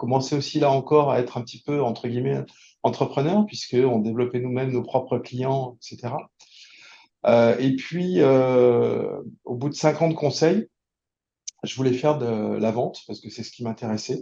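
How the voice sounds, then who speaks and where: A man speaks at a fairly slow pace in a dark, mellow tone. His loudness swings widely. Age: 60s. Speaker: company founder. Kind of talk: podcast interview. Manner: hesitant, many fillers.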